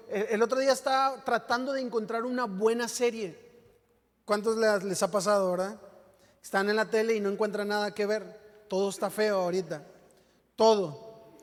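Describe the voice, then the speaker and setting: A man preaches in a high voice, trading jokes and questions with his congregation. His sermon is relaxed and chatty rather than formal. The church hall leaves a long echo trailing behind each phrase. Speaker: pastor. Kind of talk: humorous conversational sermon.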